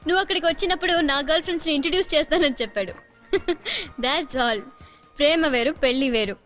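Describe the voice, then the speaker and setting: A woman's voice: sits high, fast talker, a bit bright, faint music behind. An actress playing a breezy, self-assured young college woman who is engaged. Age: young adult. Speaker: student friend. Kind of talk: dubbed film drama dialogue.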